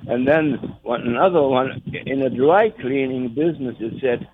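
A man's voice: medium pitch, a little hiss or hum. A man with a German accent who speaks English as a second language, chatting casually with many fillers and restarts. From Germany, near the Dutch and Belgian border. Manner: halting, many fillers and restarts, laughs often. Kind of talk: casual chat. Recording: tinny phone line.

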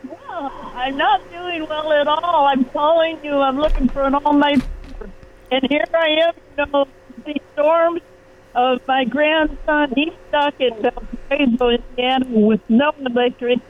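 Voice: sits high, fairly even intonation, measured pace. A very old caller in their nineties rambles anxiously down the phone. The line is garbled, as if the voice were underwater. It sounds thin and phone-like, with a faint hiss behind it. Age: 90s. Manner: worried, rambling. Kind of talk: call-in radio chat. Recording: tinny, noisy, bubbling phone line.

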